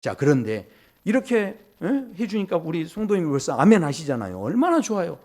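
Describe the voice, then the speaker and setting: A male pastor preaching in a church with a high, lively voice that jumps all over. He keeps it playful, cracking jokes with the congregation and acting out the people in his story. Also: a little fast. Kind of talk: sermon. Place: church sanctuary.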